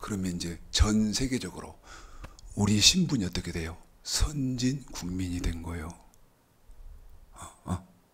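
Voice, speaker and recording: A man with a fairly low pitch talks at a fairly slow pace, leaving long, frequent pauses. His intonation is lively, and his loudness swings widely. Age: 60s. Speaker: pastor. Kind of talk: sermon. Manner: animated.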